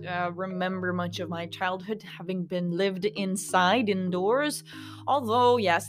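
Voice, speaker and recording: A woman in her thirties from Kosovo hosts a podcast, rambling through a casual, reflective monologue full of asides to her listeners. She has an American-influenced English accent and a lowish, fairly bright voice.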